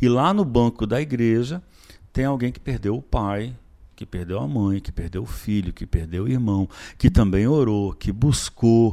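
On a very clean recording with a silent background, a man with a dark, mellow tone and medium pitch talks fairly slowly with lively intonation and big swings in loudness. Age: 50s. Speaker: pastor and podcast host. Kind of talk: reflective discussion.

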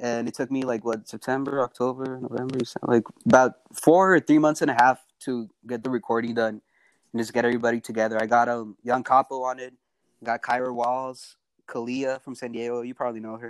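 In a Spanish accent, a man talks at a fairly quick pace with big swings in loudness, the sound dry and close with no echo on a very clean recording with a silent background. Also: medium pitch for a man, fairly even intonation. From Tecate, Mexico. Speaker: beatmaker. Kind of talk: casual interview chat.

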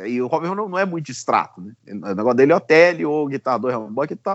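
The speaking rate is moderate. Pitch leaps up and down over a very wide range. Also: man. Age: 40s. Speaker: musician podcast co-host. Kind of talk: casual chat.

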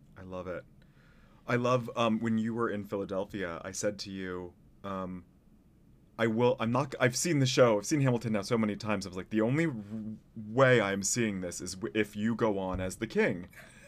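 A man uses an ordinary speaking voice with an American accent, fairly low in pitch with ordinary pitch variation. His moderate pace comes through in a very clean recording with a silent background. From San Jose, California. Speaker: musical theater educator and podcast host. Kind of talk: casual interview.

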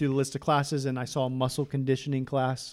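A man talks at a fairly high pitch. The recording is very clean, with a silent background. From California. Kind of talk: live podcast interview. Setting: live at a church men's conference.

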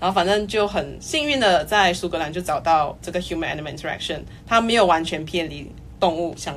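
A fairly low-pitched woman's voice with a Malaysian accent, ordinary pitch variation, and a fairly quick pace, plus audible room echo. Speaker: veterinarian. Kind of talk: casual chat.

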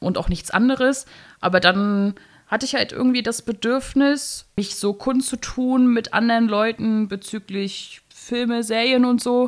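A woman at a fairly slow pace, fairly high in pitch with fairly even intonation. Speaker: podcast co-host. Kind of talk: casual chat. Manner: strongly pronounced plosives.

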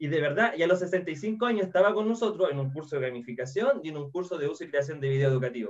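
In a Chilean accent, a man talks at a very fast pace with hardly any pauses. His pitch is fairly high and his intonation lively. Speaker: teacher trainer, edtech entrepreneur. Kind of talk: casual interview chat.

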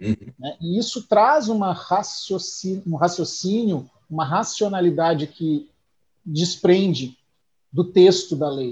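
Very slowly, a man speaks at a high pitch. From southern Brazil, Porto Alegre. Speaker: labour judge. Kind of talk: podcast interview.

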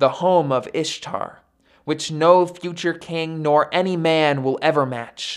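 Very slow, solemn and dramatic speech in an American accent, on a very clean recording with a silent background. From United States. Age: 20s. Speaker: podcast host and storyteller. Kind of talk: epic myth narration read aloud. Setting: home recording late at night. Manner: solemn, rhythmic, dramatic cadence; measured, deliberate, formal storytelling pace.

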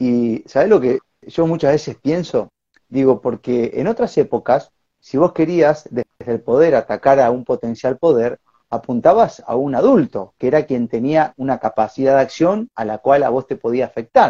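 A man with an Argentine accent speaks at a moderate pace in a fairly high pitch, his intonation lively and his tone dark and mellow. The sound is dry and close, without echo. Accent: Argentine Spanish (voseo). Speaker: online show host. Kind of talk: interview.

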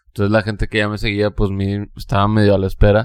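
In a very clean recording with a silent background, a man with a fairly low voice talks at a very fast pace in a monotone, flat delivery. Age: 30s. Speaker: musician and songwriter. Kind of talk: casual chat.

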